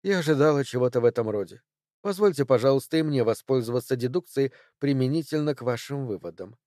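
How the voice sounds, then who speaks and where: Brief: poised, clever young woman, calm and measured, low mellow voice, dry sound, read by a male narrator. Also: no room sound, natural voice. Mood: composed. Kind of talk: audiobook character voice.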